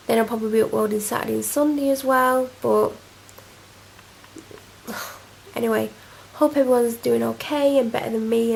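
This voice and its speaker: A young woman with a cold talks into her camera at home, rambling and self-deprecating. Her voice sits a little high with a gravelly fry at the ends of phrases, and a faint hiss runs behind her. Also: darkish tone, poor audio. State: congested, snotty from a cold. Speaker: vlogger. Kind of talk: casual chatty vlog to camera. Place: at home, indoors. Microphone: camera mic.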